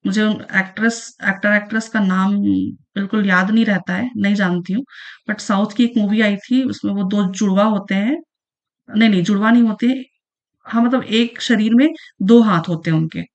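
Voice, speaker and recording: A woman's voice: medium pitch, moderate pace, highs cut off. A woman teaching an online exam-prep lesson, patiently repeating each definition and checking in with the listener as she goes. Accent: Chhattisgarhi Hindi. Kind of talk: online lesson going through past exam questions.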